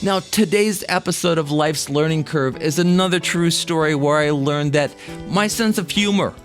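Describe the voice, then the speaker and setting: American guy narrating his own story, kinda high voice, chatty and folksy, bit of music behind. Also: moderate pace. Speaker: podcast host and storyteller. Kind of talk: first-person narrated storytelling. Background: background music.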